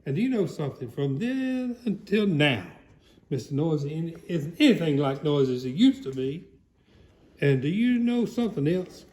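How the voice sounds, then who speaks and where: A man's voice: big pitch swings, normal speed. A man voicing a goofy alligator who reads a storybook aloud theatrically, rambling and prone to laughter. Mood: hammy, amused. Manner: theatrical, booming shouts, rambling, breaks into laughter. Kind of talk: comedic dramatic storybook reading.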